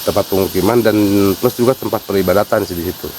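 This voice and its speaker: Male site guide, Sundanese accent, low voice, patient and rambling; hissy outdoor recording. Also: darkish tone, poor audio. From West Java, Sundanese. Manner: unhurried, hesitant with fillers, explains at length. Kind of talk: casual explanatory interview. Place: outdoors at a wooded sacred site.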